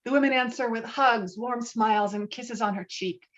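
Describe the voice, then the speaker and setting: A woman's voice: a little high, moderate pace, highs cut off. A woman reading stage directions as scripted narration for a virtual table read, recorded over an online call. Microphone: online call microphone.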